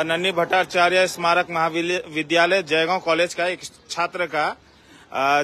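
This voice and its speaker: A man giving a halting, repetitive live news appeal in formal address, recorded outdoors on a phone in a market street. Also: on the high side, pushed and bright. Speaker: local news reporter. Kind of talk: live street report, unscripted public appeal. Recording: street noise around handheld phone recording. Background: street ambience and vehicles.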